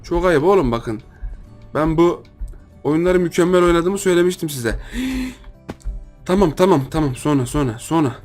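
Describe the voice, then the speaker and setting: A man's voice: fairly high pitch, expressive, moderate pace, a little mellow, soft background music. A young man hosting a gaming channel, giving casual, joking commentary as he plays and talks to his viewers, often repeating phrases as he pleads with the game. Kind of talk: casual let's-play commentary.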